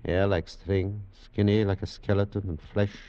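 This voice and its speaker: A man playing a skeptical, wry senior hospital doctor with formal, measured phrasing, in 1940s radio drama style. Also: on the low side, level tone, lightly acted. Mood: grave, wry. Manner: measured, formal, dryly humorous. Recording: dull vintage 1940s radio recording.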